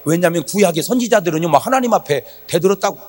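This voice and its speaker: A male pastor preaching a revival sermon to a congregation, animated, breaking into shouts and acted-out quoted prayers. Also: sits high, quick pace, long reverb tail. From South Korea. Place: church sanctuary before a congregation.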